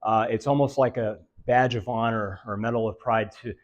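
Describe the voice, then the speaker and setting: A man presenting a health lecture to seniors in a meeting room, his voice raspy and nasal and a bit dry from allergies, talking in a monotone with many fillers. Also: fairly low pitch, fairly quick, dull audio. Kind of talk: live lecture to a senior audience.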